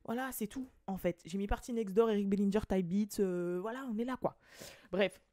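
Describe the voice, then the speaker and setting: A woman's voice: medium pitch, normal speed, mellow, no echo, studio quality. A woman hosting a celebrity gossip podcast, talking in a rambling, chatty way full of fillers and restarts. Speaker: podcast host. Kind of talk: casual celebrity gossip chat.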